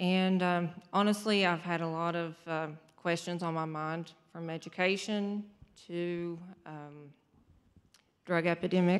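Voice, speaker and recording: A woman talks with an Appalachian accent. Her intonation stays monotone and flat. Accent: non-Pennsylvanian, Appalachian. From southern West Virginia. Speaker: audience member. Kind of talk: town hall question.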